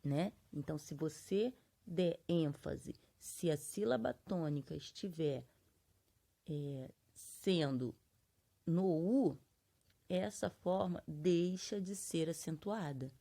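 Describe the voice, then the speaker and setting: A woman's voice: deep voice, takes it slowly, gravelly, mellow. A Brazilian woman teaching a grammar lesson, explaining patiently and drawing out example words syllable by syllable. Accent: Brazilian Portuguese. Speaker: Portuguese teacher. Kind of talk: classroom lesson.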